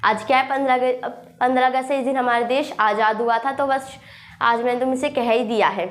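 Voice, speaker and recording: Woman, young, high-pitched, slightly sore throat, repetitive classroom explaining. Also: fairly even intonation. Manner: repetitive, checks understanding with "thik hai"; reads English example sentences slowly. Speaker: English grammar teacher. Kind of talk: classroom lesson, explaining with examples.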